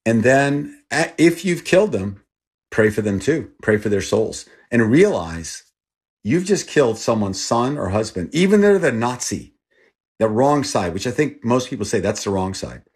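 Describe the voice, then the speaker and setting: A middle-aged man born in Texas and raised in Thailand, telling personal stories as an interview guest in an earnest, halting way with many restarts. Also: mid-range voice, sing-song, breathy edge. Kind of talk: reflective personal storytelling.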